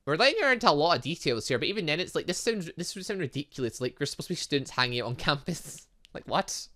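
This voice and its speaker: Male let's-player: bright, punchy, very lively intonation, exclaims at the game as he plays. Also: a little high, fast talker. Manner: exclamatory, talks to the game's characters. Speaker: gaming video host. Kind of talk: lively let's-play commentary, reading game dialogue aloud.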